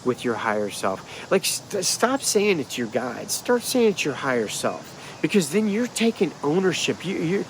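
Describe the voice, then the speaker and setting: A middle-aged man with a congested, nasal voice speaks to his camera in a leafy yard, rambling and restarting as he goes. Faint insects and far-off traffic sit softly behind him. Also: fairly high pitch, measured pace, hardly any pauses. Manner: rambling, animated, restarts often. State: stuffed-up, nasal. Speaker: spiritual healer. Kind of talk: casual vlog monologue. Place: outdoors in a wooded yard. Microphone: phone or camera at arm's length.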